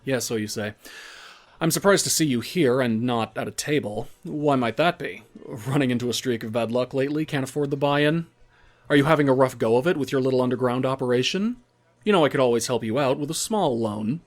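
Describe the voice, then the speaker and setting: Smug male loan shark, played by an actor, medium pitch, taunting, falsely courteous audio drama villain. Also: fairly quick, natural voice. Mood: smug, needling. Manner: mockingly formal, condescending, theatrically coy.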